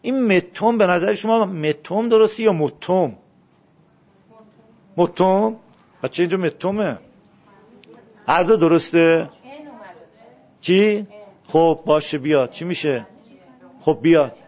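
A man's voice: high voice, long pauses, a little mellow. A man teaching a classroom lesson, questioning his students and drilling word forms aloud. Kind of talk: classroom lesson on Arabic grammar. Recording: dull lo-fi classroom recording.

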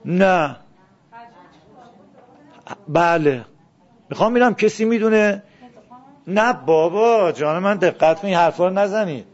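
A male teacher with a high voice leads a grammar class in a classroom, quizzing his students and reciting word forms one after another. The recording is dull and lo-fi. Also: expressive, pauses often. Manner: questioning, drills word forms aloud. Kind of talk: classroom lesson on Arabic grammar.

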